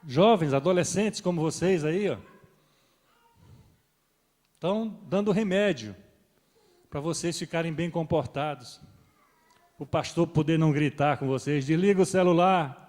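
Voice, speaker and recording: Pastor preaching in a reverberant church. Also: male voice, a little high, measured pace, pauses often. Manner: rises and swells with emphasis, then drops soft. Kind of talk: sermon. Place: church hall. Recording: long reverb of a church hall.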